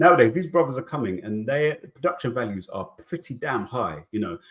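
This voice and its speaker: The speaker has an East London accent and a somewhat breathy voice. The intonation is lively. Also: man. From England, East London. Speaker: YouTube host on African history. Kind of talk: casual livestream chat. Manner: halting, frequent repetitions and fillers.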